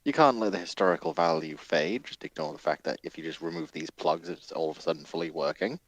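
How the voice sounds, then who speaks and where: A man's voice: extremely low pitch, fast talker, no room sound. A man in casual discussion on a livestream, musing and questioning as he talks. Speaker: panelist on a naval history stream.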